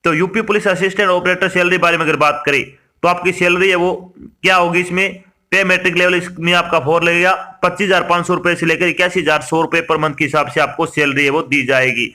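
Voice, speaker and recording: Man, higher-pitched, sharp bright voice, instructional explainer, list reading, direct address. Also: little pitch movement, a little fast, few pauses. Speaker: exam information presenter. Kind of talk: informational explainer, reading out lists.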